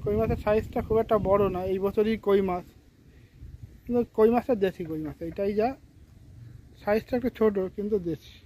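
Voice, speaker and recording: High-voiced man fishing outdoors. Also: fairly quick, long pauses, slight background noise. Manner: chatty, addresses viewers as friends, talks quietly at times. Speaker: fishing vlogger. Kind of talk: casual outdoor vlog narration. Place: outdoors by a rural pond.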